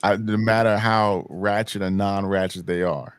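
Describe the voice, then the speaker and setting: A man hosts a laid-back hip hop talk show in a somewhat low voice. He rambles and repeats himself as he chats. The sound is dry and close. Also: fairly even intonation, moderate pace, clear, resonant tone, no room sound. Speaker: podcast host. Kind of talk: casual chat.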